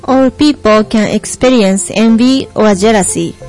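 A woman's voice: medium pitch, a little slow, a little mellow, close to an everyday voice. A young woman playing an earnest American Christian panelist in a scripted student stage play, over music. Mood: earnest, measured. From Japan. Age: young adult. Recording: music behind the voice.

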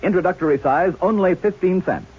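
Chipper, husky 1950s radio ad man. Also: sits high, fairly quick. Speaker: commercial announcer. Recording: muffled old radio broadcast.

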